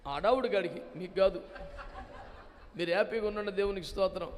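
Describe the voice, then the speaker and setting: A male pastor preaching a sermon, animated and dramatic, acting out quotes in his talk, with a Telugu accent. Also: high voice, in a large hall, a little hiss or hum.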